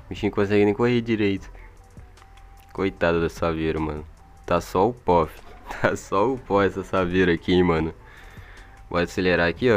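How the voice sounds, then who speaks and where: Deep-voiced Brazilian man commenting on gameplay. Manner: informal, slangy, chatty. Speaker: gaming video creator. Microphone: old microphone. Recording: music behind, old microphone.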